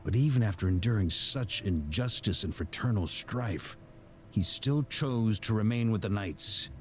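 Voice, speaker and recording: An actor voicing a genial, steadfast grandmaster of fantasy knights, easygoing and assured, in scripted game dialogue. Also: male voice, lowish voice, lively intonation, a little slow, darkish tone, slight background noise. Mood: earnest, firm. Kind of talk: scripted game character voice lines. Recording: background music under the voice.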